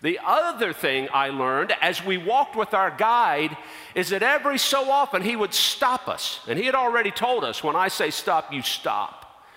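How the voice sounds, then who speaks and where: A middle-aged male pastor telling a personal story in a sermon, animated and dropping his voice low for emphasis. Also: moderate pace. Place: church. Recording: long hall reverb.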